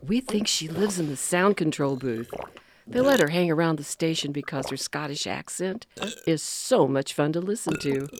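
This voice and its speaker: A woman's voice: low voice, animated, normal speed, slight background noise. A woman playing a matter-of-fact radio station volunteer in a comedy sketch.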